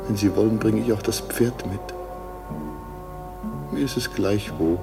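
A man's voice: on the low side, unhurried, creaky, over music. An actor playing the ghost of a murdered man in a radio drama, suave and politely formal, mocking and insistent with macabre understatement. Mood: coaxing, insistent. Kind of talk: German radio drama acting.

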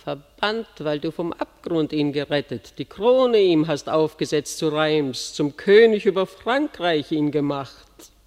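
A woman's voice: low-pitched, expressive, measured pace, few pauses, a little mellow. An actress playing a haughty, scornful queen and mother who commands and mocks in classic German radio drama style. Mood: gloating. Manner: imperious, mocking, declamatory. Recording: long reverberant hall.

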